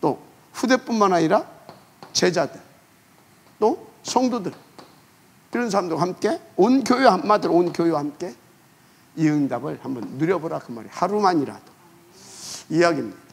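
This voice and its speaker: A man preaching a sermon as pastor, emphatic, asking rhetorical questions and letting phrase ends trail off quietly. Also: high-pitched, lively intonation, moderate pace, creaky, pauses often, breathy edge.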